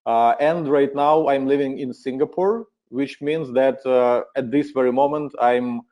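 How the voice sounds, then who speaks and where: A man with a Ukrainian accent presenting a webinar in a relaxed, friendly way, with many filler uhs. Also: mid-range voice, a little slow.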